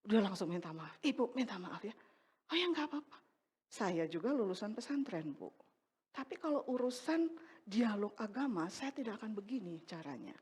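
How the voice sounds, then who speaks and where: A woman's voice: mid-range voice, moderate pace, breathy edge. A middle-aged woman preaching a sermon in church, telling a personal testimony and acting out the voices in her story. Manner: animated storytelling, acts out dialogue.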